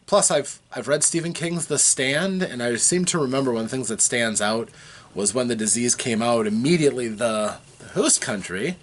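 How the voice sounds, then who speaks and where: A man talking casually to his viewers from his basement, rambling with frequent fillers and restarts, his voice still a bit rough from a recent cold. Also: mid-range voice. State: recovering from a cold, slightly rough voice. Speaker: vlogger. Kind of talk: casual chat to camera. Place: home basement.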